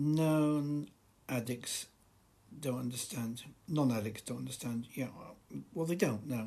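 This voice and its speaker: A man with a dark, mellow tone speaks at medium pitch and a very slow pace, with ordinary pitch variation and long, frequent pauses. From England, Norfolk. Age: 60s. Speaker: live streamer discussing alcohol addiction. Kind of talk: live stream Q&A reading comments. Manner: casual, conversational.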